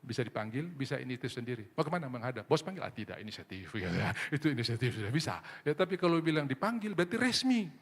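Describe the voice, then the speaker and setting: A man's voice: mid-range voice, a bit bright. A man preaching a sermon as pastor, telling funny stories and acting out the voices in them. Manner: humorous storytelling, mimics voices in anecdotes. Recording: reverberant church hall.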